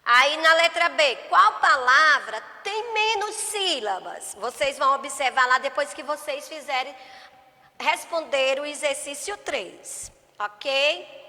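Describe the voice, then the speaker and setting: A woman teaches young children, drawing out each syllable and pausing often to check that they follow. Her voice sits high and bright, and she speaks slowly. A long reverb trails behind her words. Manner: slow, drawn-out syllables, frequent "né?" and "certo?" checks. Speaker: primary school teacher. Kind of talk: remote class lesson.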